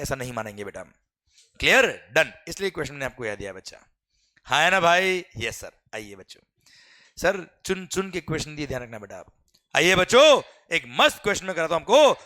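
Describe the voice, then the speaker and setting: A man with an Indian accent teaching a lively class, often calling students "beta" and asking whether they follow, and reading English exam questions out slowly. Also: fairly high pitch. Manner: addresses students as beta, keeps asking "clear?".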